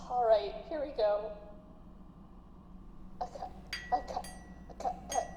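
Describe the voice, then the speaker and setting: In a ringing hall with faint noise, an eccentric coroner played by a woman performs in a comic radio play. Her high, soft voice turns sing-song and slightly unhinged. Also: takes it slowly. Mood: gleeful, eccentric. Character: quirky, unhinged coroner, gleefully fond of scalpel. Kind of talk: comic radio drama acting.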